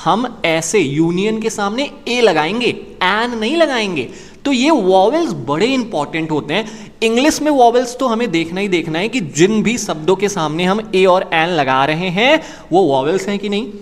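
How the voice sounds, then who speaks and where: A man's voice: high voice, lively intonation, moderate pace. A man teaching a beginners' lesson in a chatty classroom manner, often asking the listener rhetorical questions. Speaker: English teacher. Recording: long reverb, echoey room.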